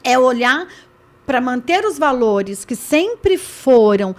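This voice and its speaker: High-voiced woman hosting a podcast. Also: big pitch swings, slow pace. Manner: emphatic, lists points one by one. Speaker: podcast host. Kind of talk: casual podcast conversation.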